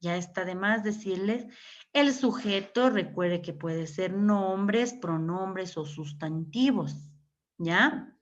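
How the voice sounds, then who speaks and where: Slow, patient woman teacher, muffled audio. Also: medium pitch. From Ecuador. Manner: slow, patient, repeats words and checks with "¿ya?". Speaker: English teacher. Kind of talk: online class explanation.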